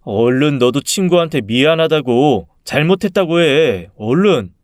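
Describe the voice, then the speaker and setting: A man's voice: a little high, animated, measured pace, no room sound, studio quality. A man voicing an exasperated young father who scolds in a raised, insistent voice, in a read-aloud story. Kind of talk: story reading with acted dialogue.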